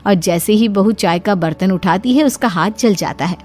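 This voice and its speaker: A woman narrating a cartoon family story in a steady storytelling manner. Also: mid-range voice, moderate pace, faint music behind.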